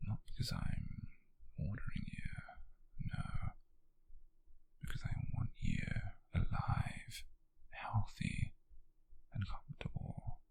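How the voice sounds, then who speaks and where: Man playing a husky, whispering British nobleman. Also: fairly low pitch, wildly swooping pitch, a little mellow, heavily acted. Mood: soft, earnest. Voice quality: breathy, husky near-whisper. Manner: slow, deliberate, condescending endearments. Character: wealthy possessive nobleman, coolly controlling yet tender captor. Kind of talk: intimate ASMR roleplay.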